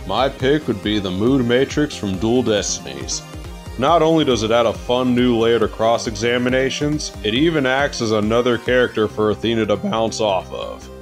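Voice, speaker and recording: A man's voice: medium pitch, normal speed. A man offering brief prepared commentary on a video game as a guest. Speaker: guest contributor. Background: music behind the voice.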